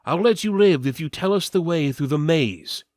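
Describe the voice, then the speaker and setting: A man's voice: on the high side, expressive, moderate pace, a little mellow, no echo, studio quality, voice pushed up, natural voice. A man voicing a stern, commanding warrior leader in a fantasy story, terse and bossy. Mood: grim, stern.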